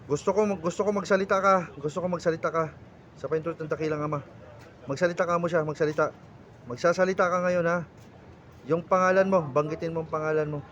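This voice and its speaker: Urgent, high-voiced male folk healer. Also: fairly even intonation, quick pace, fairly bright tone, muffled recording. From Philippines. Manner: urgent, commanding, scolding. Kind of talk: healing ritual commands.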